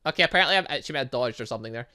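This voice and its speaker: A man hosts a gaming video with excitable, exclamatory let's play commentary, muttering asides and reading game text aloud. His voice is medium-pitched and very fast.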